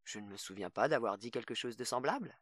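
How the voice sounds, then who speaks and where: A man playing a cold, smooth con man. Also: mid-range voice, quick pace, no echo, studio quality. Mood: menacing. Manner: calm, coldly insinuating. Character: smooth, menacing swindler, adult man.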